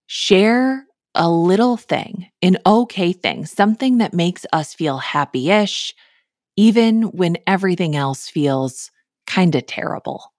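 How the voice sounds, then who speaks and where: A woman's voice: on the low side, expressive, slow, a little mellow, no room sound. A woman podcast host reading an upbeat sponsor message and introducing her show. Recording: studio read over clear music.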